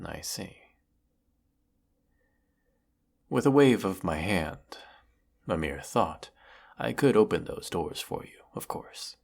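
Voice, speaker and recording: A very low-voiced, imperious galactic emperor, acted by a man, speaks slowly and with grand formality. He sounds world-weary yet menacing, with a heavy creak in the voice, as in a scripted sci-fi audio drama. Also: heavily acted. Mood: softened, teasing. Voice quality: low, gravelly. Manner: pompous, theatrical, formal, drawn-out phrasing. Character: weary, menacing galactic evil emperor, secretly fond of servant. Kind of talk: scripted audio roleplay monologue.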